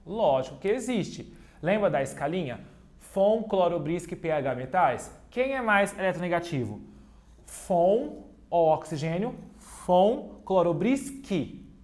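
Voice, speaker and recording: Joking chemistry teacher. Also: male voice, high-pitched, sing-song, slow, a little mellow. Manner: playful, cracks jokes and teases himself between explanations; repeats key points step by step, addresses students directly. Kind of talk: online video lesson at a digital whiteboard.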